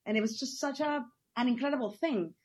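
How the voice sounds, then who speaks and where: Enthusiastic woman from Ecuador, fairly high voice. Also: a little fast, a little mellow. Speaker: guest. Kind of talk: casual conversational interview.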